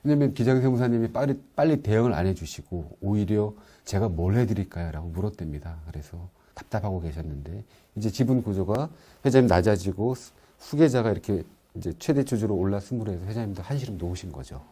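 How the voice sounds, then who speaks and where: A man being interviewed as a consultant, answering calmly and steadily and often agreeing with short replies. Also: lowish voice, fast talker, few pauses, husky. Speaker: guest consultant.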